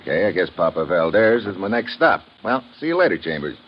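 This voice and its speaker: An actor in a 1950s radio drama playing a tough, wry American government agent, clipped and sardonic. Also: male voice, deep voice, big pitch swings, fairly quick. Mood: wry, probing. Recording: dull, noisy old radio recording.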